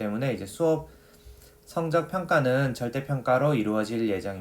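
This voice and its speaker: Audible room echo around a man speaking with ordinary pitch variation. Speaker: university professor. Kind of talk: lecture. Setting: recorded online lecture.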